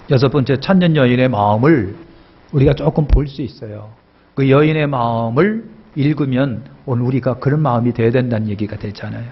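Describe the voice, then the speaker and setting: A male pastor preaching a sermon with emphatic repetition, his voice swelling in pitch and loudness as he presses his points. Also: dull audio.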